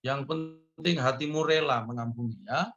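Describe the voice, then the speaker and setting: A man's voice: normal speed, fairly bright tone, muffled recording. A male pastor, preaching through stories and acting out the people in them with a raised voice. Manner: storytelling, acts out a man pleading in a high voice. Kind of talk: sermon over video call.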